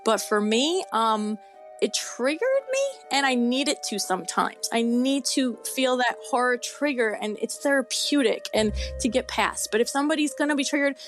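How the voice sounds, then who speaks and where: A woman in her forties chatting casually as an interview guest, effusive and excitable, often exclaiming. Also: on the high side, moderate pace, soft background music. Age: 40s. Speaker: guest horror author.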